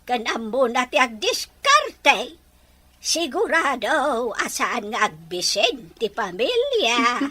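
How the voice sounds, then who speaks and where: Woman as fond, easygoing granny for radio-style drama; very slow, bright, expressive and welcoming. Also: on the high side, exaggerated voice. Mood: reassuring, welcoming. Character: kindly, easygoing old grandmother, fond and welcoming. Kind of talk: audio drama acting.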